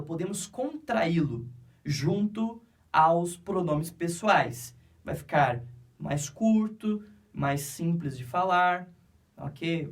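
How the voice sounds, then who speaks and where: A man's voice: fairly high pitch, far from the mic. A man with a Brazilian Portuguese accent teaching an English grammar lesson, patiently repeating each step and checking that students follow.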